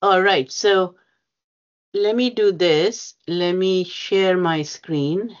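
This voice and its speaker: A woman's voice: on the low side, extremely slow, dull audio. A woman presenting slides to a bargaining meeting over a video call, hesitant with many fillers. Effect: heard over a video call. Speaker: union bargaining representative.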